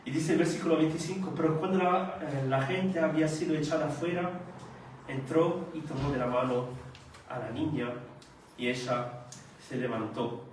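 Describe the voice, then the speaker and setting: A fairly high-voiced man preaches in an unhurried, halting way, pausing often and asking his listeners questions. He sounds far from the mic, and his voice bounces around a very echoey meeting hall. Faint room ambience sits underneath. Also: fairly even intonation, a little hiss or hum. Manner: slow and halting, with frequent hesitations and rhetorical questions. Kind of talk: sermon.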